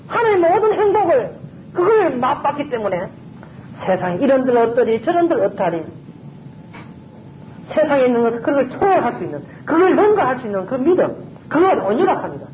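Emphatic preacher with a swooping, lively delivery. Slightly muffled, echoey church recording. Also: high-pitched, slight background noise. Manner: emphatic, repeats key phrases. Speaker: pastor. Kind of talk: sermon.

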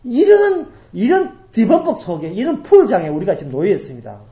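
Emphatic, lively-voiced woman preaching a sermon. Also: mid-range voice, brisk. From grew up in Daegu, South Korea. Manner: emphatic, repeats key phrases, swings from loud to hushed. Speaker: pastor.

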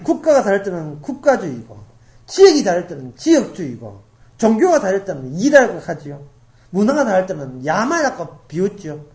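A middle-aged woman from Daegu preaching a sermon as pastor, repeating key phrases and swinging from loud emphasis to hushed asides. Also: medium pitch, very animated, brisk. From grew up in Daegu, South Korea.

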